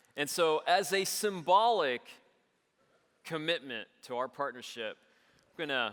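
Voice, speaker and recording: Pausing long and often, a man with a bright, sharp tone and fairly high pitch speaks at a fairly slow pace with lively intonation on a very clean recording with a silent background. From Alabama, US South. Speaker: tech company executive. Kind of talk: keynote speech. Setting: stage with audience. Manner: animated.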